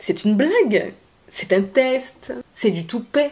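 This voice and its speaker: Her voice, a woman's, shows ordinary pitch variation. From Guadeloupe. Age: 20s. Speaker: YouTuber. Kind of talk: storytime, casual talk to camera.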